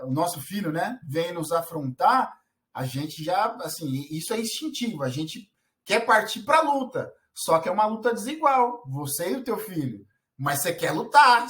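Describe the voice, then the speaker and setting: A man from Brazil gives parenting advice straight to camera in a casual, earnest way. He often restarts his sentences and fills pauses as he goes. His voice sits fairly high for a man. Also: a bit bright. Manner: earnest, many restarts and filler words. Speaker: parenting vlogger.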